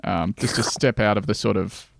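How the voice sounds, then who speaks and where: A man in a casual comedic podcast chat, animated and teasing, swearing freely. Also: fairly low pitch, moderate pace, vocal fry, dry recording.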